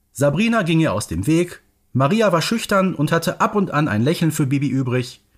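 Male storyteller for children's audio, animated melody, lighter register. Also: on the high side. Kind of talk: scripted story narration for children.

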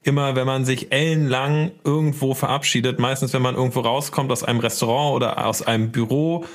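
A man's voice: medium pitch, fairly even intonation, brisk. A man co-hosting a casual podcast, telling chatty anecdotes about awkward everyday moments. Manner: chatty anecdotal, mimicking everyday small talk. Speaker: podcast co-host.

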